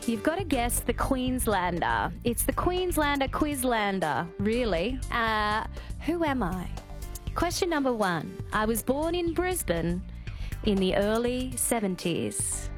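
A woman with an Australian accent presenting live radio from a studio in a bright, chatty manner. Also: on the high side, big pitch swings, slow, soft background music. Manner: bright, chatty, laughs easily. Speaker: radio host. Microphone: studio microphone.

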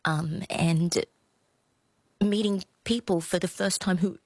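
A woman, a playwright and actor, talking in a radio interview in a soft, thoughtful way with frequent pauses and ums. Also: fairly low pitch, steady tone, dry recording, studio quality. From Australia. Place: radio studio.

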